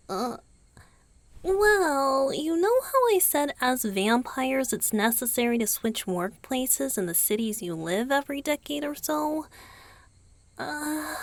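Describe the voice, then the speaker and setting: A gentle, teasing vampire boyfriend acted by a woman murmurs close and dry into the microphone in an ASMR roleplay. He takes his time, explaining patiently and often slipping toward a whisper, while his pitch rises and falls in a lively, affectionate lilt. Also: no echo, exaggerated voice. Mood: casual, reminiscing. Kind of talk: ASMR roleplay, intimate one-sided dialogue to the listener.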